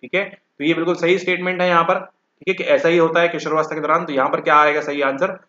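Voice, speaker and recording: A teacher works through exam questions aloud, speaking straight to his students and repeating key words. His voice sits a little high and sounds bright and forceful. The sound is roomy and dull, like a lo-fi recording in an echoey room. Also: fairly even intonation, fast talker. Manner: addresses students directly, repeats words for emphasis. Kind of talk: exam question walkthrough lecture.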